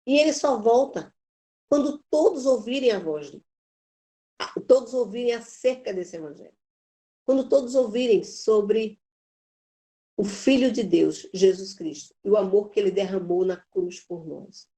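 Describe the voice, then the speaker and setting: A woman's voice: mid-range voice, a little slow, mellow. A woman teaching a Bible institute class, telling a personal story in an emphatic, preacherly way with lots of repetition.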